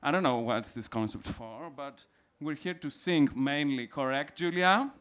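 A man from Greece with a Greek accent, bantering playfully with a live audience as a cabaret performer and guiding them slowly through instructions. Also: on the high side, fairly bright tone. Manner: playful, teasing, slow guided instructions. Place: club stage, live show. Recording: reverberant live club with accordion. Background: live accordion music.

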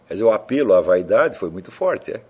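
Husky man lecturing provocatively. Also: fairly low pitch, big pitch swings, fast talker, darkish tone, lo-fi sound. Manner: provocative, asks rhetorical questions, swears casually. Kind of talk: informal philosophy lecture.

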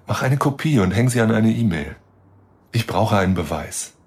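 An actor playing a lonely, lovestruck but mistrustful astronomer in a German radio drama, speaking earnestly in short plain sentences. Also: male voice, fairly low pitch, expressive, normal speed, darkish tone, slightly rough. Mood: insistent, mistrustful. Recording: music behind the voice.

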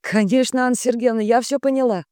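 A woman voicing an anxious, devoted middle-aged housekeeper with a high, fretting, lamenting way of talking. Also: fairly even intonation, fast, warm tone, no echo, clean studio sound, close to an everyday voice. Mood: confiding.

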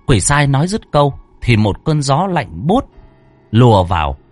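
A man telling a ghost story with drama and colour, his husky voice moving in lively rises and falls. Faint music plays under the telling. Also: medium pitch, moderate pace, dry recording. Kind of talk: scripted ghost story narration.

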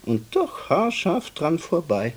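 A wry Jewish handyman from the East in a radio drama. His voice is very husky and breathy, leaping up and down as he explains. He speaks colloquial with a tinge, humble yet insistent. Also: fairly high pitch, big pitch swings, slow, heavily acted. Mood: earnest, explaining. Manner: colloquial, hesitant, emphatic storytelling. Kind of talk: radio play dialogue.

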